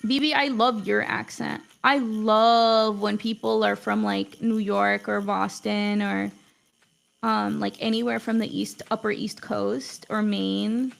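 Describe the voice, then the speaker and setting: A woman's voice: mid-range voice, flat delivery, slow, gravelly. A young woman, an art teacher with English as her second language, chatting casually and rambling with lots of "like" while she draws on a livestream. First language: not English. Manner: chatty, rambling, heavy use of "like". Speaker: art teacher streaming live.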